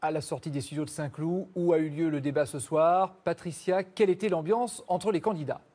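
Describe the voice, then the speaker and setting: Male TV news presenter, standard French accent, fairly high register, soft-edged tone, for headlines and press review. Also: steady tone, fairly quick. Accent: standard French from France.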